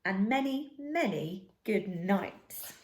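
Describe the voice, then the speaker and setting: Storybook black cat, female reader: inviting, gentle, hushed and breathy, lilting delivery. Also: mid-range voice, animated, slow, roomy sound, slight background noise.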